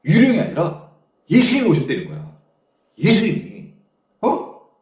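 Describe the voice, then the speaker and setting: A male pastor giving an animated sermon, often prompting listeners with short questions. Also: high voice, a little slow. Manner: animated storytelling, constant "eh?" prompts to the audience. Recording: echoey room.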